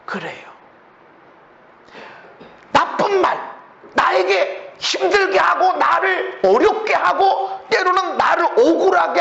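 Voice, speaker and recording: A Korean man preaching from the pulpit of his church, his voice high and gravelly with fry. He keeps asking his congregation rhetorical questions, then drops to quiet asides before pressing the point again. The sound is dull and lo-fi, with the roomy echo of the church hall around him. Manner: animated, shifts between loud emphatic lines and low quiet asides. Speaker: pastor. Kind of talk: sermon. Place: church sanctuary.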